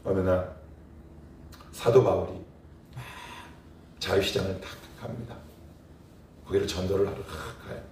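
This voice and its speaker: A male pastor giving a lively sermon, asking his congregation questions and acting out little scenes. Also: deep voice, normal speed, long pauses, slight background noise. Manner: animated preaching, acting out scenes and rhetorical questions. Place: church sanctuary. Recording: very echoey church hall, voice from a distance.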